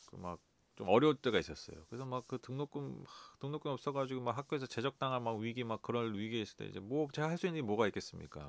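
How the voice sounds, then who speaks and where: A middle-aged man preaching a sermon as pastor, conversational and lively, asking his listeners rhetorical questions. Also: lowish voice, creaky, no room sound. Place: church.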